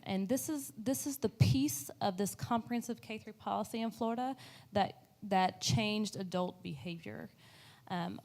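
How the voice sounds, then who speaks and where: A woman's voice: mid-range voice, darkish tone. A woman on a panel, explaining in an earnest way with frequent fillers and restarts. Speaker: panelist on education policy. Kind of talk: panel discussion.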